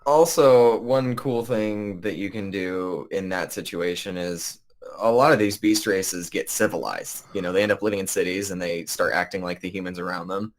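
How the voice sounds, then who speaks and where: A man guesting on a gaming podcast, talking casually with many ums and likes and pausing to search for words. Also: sits low. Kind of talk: casual chat.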